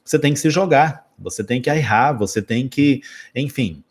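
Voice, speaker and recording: A man's voice: mid-range voice, slightly rough. A Brazilian man, an English teacher, talking through a casual spoken lesson with a Brazilian Portuguese accent, joking and correcting himself as he goes. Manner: lively, joking, quick asides and self-corrections.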